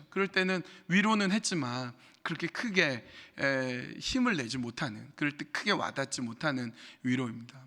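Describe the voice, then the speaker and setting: A man's voice: on the high side, sharp tone, in a large hall. A middle-aged pastor preaching a sermon to his congregation, speaking to them directly with rhetorical questions and acting out other people's words in changed voices. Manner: acts out quoted speech in changed voices. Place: church sanctuary.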